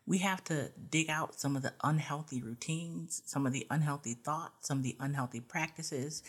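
This woman in her forties has a very deep, slightly rough voice and hosts a podcast as a coach. Her casual, reflective monologue is earnest and gently encouraging, sprinkled often with "you know" and "right?"

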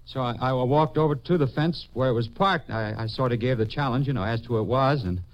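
An actor playing a nervous, evasive young Army soldier with an American accent, halting and pleading, in 1950s radio drama style. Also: male voice, mid-range voice, dull audio, lightly acted. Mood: defensive, halting.

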